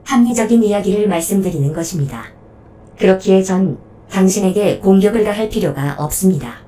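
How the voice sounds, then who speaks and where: Combat robot turned guardian , female performer: mellow, polite, measured delivery with lively intonation, audio drama, slightly distant over music. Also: mid-range voice, natural voice. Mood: factual, composed. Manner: formal, measured, matter-of-fact reporting.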